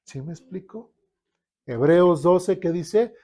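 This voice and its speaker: A man preaching a lively sermon. His voice sits a bit high and sounds mellow and dark. He asks the congregation questions and acts out people's complaints. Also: slow pace.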